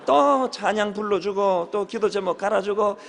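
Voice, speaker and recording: A male pastor preaching a sermon, telling humorous stories with sudden shouted exclamations. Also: sits high, normal speed, very noisy. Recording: long hall reverb.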